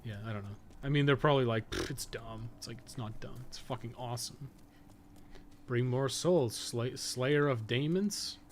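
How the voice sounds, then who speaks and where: A man's voice: mid-range voice, normal speed, slight background noise. A man giving casual, rambling live commentary as he games, thinking aloud and swearing freely. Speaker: gaming streamer and podcast co-host.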